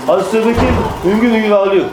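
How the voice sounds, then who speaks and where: Speaking very fast in a high voice, this preacher drives home his message to a small gathering, echoing his own phrases and supplying answers to the questions he poses. The room is echoey and the background noisy.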